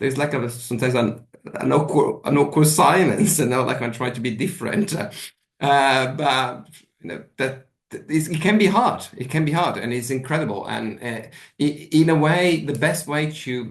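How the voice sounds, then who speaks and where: Somewhat breathy, a man with an Italian accent talks at a fairly high pitch with ordinary pitch variation. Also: moderate pace. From Italy. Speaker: panel speaker on art careers. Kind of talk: panel discussion answer. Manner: halting, many fillers and repetitions.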